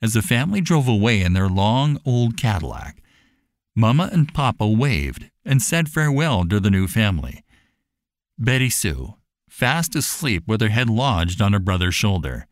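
A man narrating a scripted children's bedtime story in an animated storytelling manner. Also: fairly low pitch, dry recording, studio quality. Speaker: audiobook narrator.

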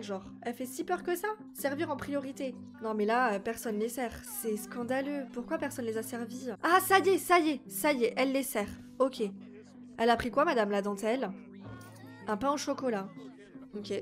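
A young woman commentates her own gameplay in a high, lively voice. She is chatty and excitable and keeps addressing her audience directly. Soft background music plays under her talk. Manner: chatty, excitable, talks straight to viewers. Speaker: gaming YouTuber. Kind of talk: casual let's-play commentary.

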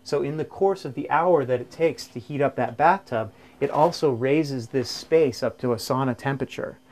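Touring his small farm indoors and outdoors, an American farmer and craftsman in his forties explains his handmade off-grid setup one step at a time. He talks at a normal speed in a medium-pitched, slightly mellow voice, earnest and practical in this casual explanatory walk-through.

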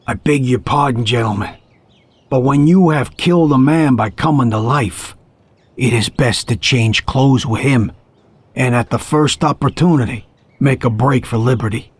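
A man's voice: medium pitch, normal speed, slightly rough, no room sound, close to an everyday voice. A man doing a courteous, eerie white-haired stranger. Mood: sly. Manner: polite, courteous.

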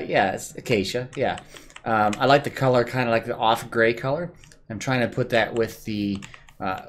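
A man hosting a gameplay video, calmly explaining his build step by step with plenty of "uh"s, while his voice is going a bit hoarse. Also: mid-range voice, a little hiss or hum. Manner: relaxed, explaining step by step with many "uh"s. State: losing his voice. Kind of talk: casual building commentary.

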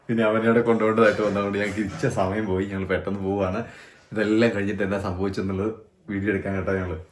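A man talking casually to viewers as a family vlogger, chatty and rambling, recorded outdoors by a car on a handheld phone. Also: sits low. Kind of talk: casual vlog talk to viewers. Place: outdoors by a car after church.

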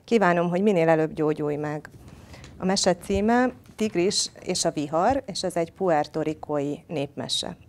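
A woman reading a children's folk tale aloud in a gentle, expressive storyteller manner. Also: on the low side.

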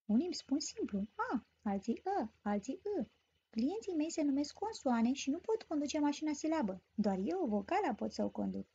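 A woman teaching a grammar lesson as a story, explaining clearly and patiently. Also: high-pitched, very animated, few pauses, warm tone. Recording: dull lo-fi recording.

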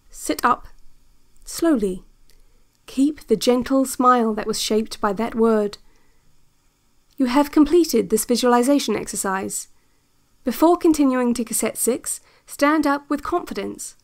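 A woman playing a calm, controlling relaxation-tape instructor in a scripted audio fiction, speaking in a measured, deadpan, instructive way. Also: a little high. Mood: brisk, deadpan. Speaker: narrator of relaxation cassettes.

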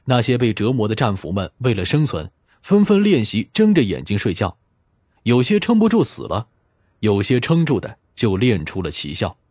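A man's voice: lowish voice, wildly swooping pitch, moderate pace, darkish tone, breathy edge, no room sound, studio quality. A man narrating a scripted crime audiobook. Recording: music playing behind the voice. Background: background music.

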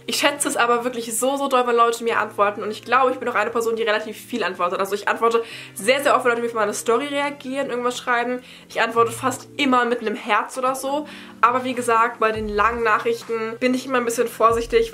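A young woman from Berlin speaks in a fairly high, bright voice. She explains things in a chatty, informal way, as a study-advice vlogger would when answering questions to camera at home. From Berlin, Germany. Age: young adult. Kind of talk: casual Q&A chat to camera. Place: bright attic room at home.

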